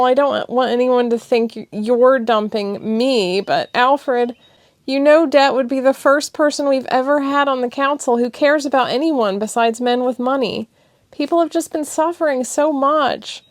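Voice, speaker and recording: A woman voicing a passionate young woman who is crying and sniffling, speaking in high, pleading, breathless outbursts. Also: animated, takes it slowly, darkish tone, dry recording, studio quality, full character voice. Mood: upset pleading. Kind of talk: audiobook character voice.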